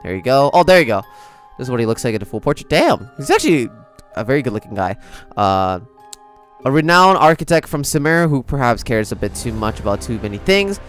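A young man gives casual reaction commentary as a gaming host. His speech is slangy and informal, with animated intonation. Faint music sits behind his voice. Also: mid-range voice, fairly quick, clean tone. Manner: informal, slangy, easily amused.

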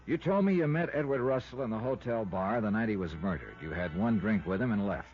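An American actor playing a tough, wry, skeptical insurance investigator with clipped delivery in 1950s radio style. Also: male voice, fairly low pitch, lively intonation, brisk, lightly acted. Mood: skeptical, pressing. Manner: clipped, hardboiled, pointed. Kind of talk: 1950s radio detective acting. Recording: dull vintage radio recording, faint music.

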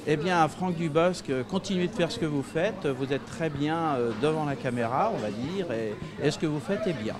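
A middle-aged man giving a halting, hesitant vox pop answer into a handheld mic in a shop. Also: fairly high pitch, crowd noise. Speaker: interviewed passer-by.

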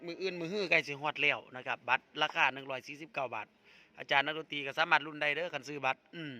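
A man with an Isan accent hosting a village vlog, chatting with a friend and promoting a raffle in a lively, joking way. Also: a little high, racing. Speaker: vlogger host. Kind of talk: casual chat and live promotion.

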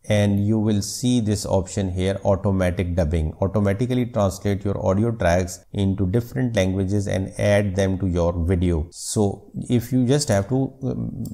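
A man with a South Asian English accent, native Urdu speaker, walking viewers through a screen-recorded tech tutorial with frequent filler pauses. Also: lowish voice, dark tone. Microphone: voice-over for screen recording.

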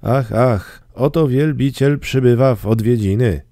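A man's voice: medium pitch, unhurried, warm tone, no echo, studio quality, pitched above the performer's own voice, natural voice. A man voicing a vain, self-admiring grown man in a storybook reading, pompous and self-satisfied.

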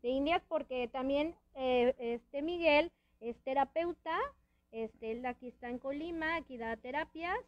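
A high-pitched woman chats casually on a live stream, rambling and restarting often, her words slightly thick from a dental palate. The sound is dry and a little dull. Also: unhurried, no room sound. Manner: rambling, many restarts and fillers, laughs often. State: wearing a dental palate that hampers her speech. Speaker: host. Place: indoors at a friend's house.

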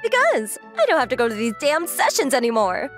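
Confident, teasing young rich woman, highish voice, acted. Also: wildly swooping pitch, fairly quick, soft background music. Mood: smug. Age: young adult. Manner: self-assured, matter-of-fact, teasing. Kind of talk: manga dub acting.

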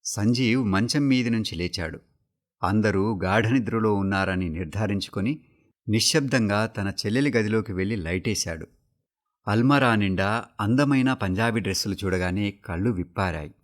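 A man giving a steady, measured reading of a short story for a radio broadcast. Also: on the low side. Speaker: story reader. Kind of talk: scripted radio story narration.

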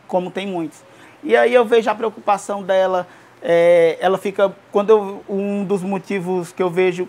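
High, fast-talking man. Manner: rapid, rambling, restarts his sentences. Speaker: councilor's son. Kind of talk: interview testimony.

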